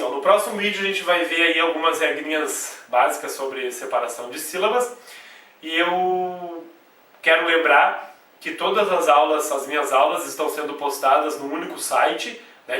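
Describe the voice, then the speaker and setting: A Brazilian man teaches a grammar lesson to camera. He breaks each point into small steps and sounds syllables out slowly, with a bright, somewhat high voice. The camcorder sits some way off, so his voice rings through a very reverberant room. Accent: Brazilian Portuguese. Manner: explains step by step with frequent checks like "né?" and "tá?". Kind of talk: video lesson at a whiteboard. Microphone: camcorder mic away from the speaker. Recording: echoey room, voice from a distance.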